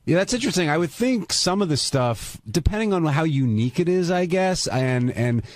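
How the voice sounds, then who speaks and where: A man's voice: on the high side, lively intonation, normal speed, dry recording. A man co-hosting a radio discussion, casually giving opinions and putting questions to the others. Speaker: radio show co-host.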